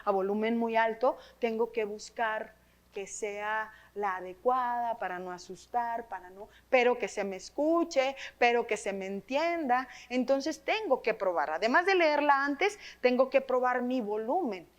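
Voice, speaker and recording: Lively Mexican woman leading a workshop. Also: fairly high pitch, a little slow. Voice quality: trained, well-projected voice. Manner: lively, tags phrases with questions to the audience. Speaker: workshop leader for teachers. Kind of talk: teaching workshop on reading aloud. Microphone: microphone.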